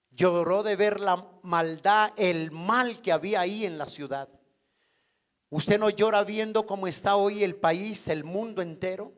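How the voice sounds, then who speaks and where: A male pastor delivers a sermon in a church, his voice pitched remarkably high for a man. He preaches at an unhurried pace, stretching out key words. He keeps throwing questions to the congregation so they will answer back. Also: fairly bright tone. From Colombia.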